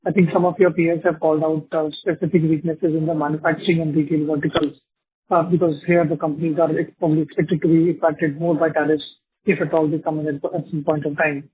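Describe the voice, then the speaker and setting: A man's voice: fairly high pitch, flat delivery, fast talker, husky. A man asking questions as an analyst on an earnings call. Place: phone call. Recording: thin phone line.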